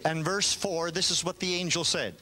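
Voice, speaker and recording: An older man from Canada preaching a sermon in short phrases, pausing for an interpreter, telling a personal story. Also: a little high, background noise.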